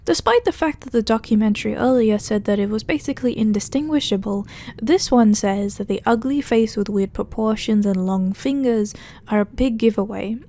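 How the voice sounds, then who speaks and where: Higher-voiced woman, mellow, wry video essay narrator. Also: normal speed. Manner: conversational, wry, sardonic asides. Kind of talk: casual narrated recap and commentary of a horror web series.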